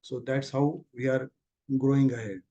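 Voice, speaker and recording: A man's voice: mid-range voice, fairly even intonation, normal speed, mellow. A man with an Indian accent giving a company results presentation as an executive on a conference call, speaking informally. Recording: muffled, lo-fi conference call audio.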